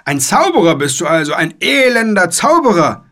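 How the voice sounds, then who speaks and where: A man's voice: extremely high pitch, extremely slow, pushed and bright, husky, voice pushed up, heavily acted. A man reading a storybook, voicing a tiny, belligerent white knight who bellows old-fashioned challenges. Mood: accusing. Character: small boastful white knight, toy-sized, belligerent.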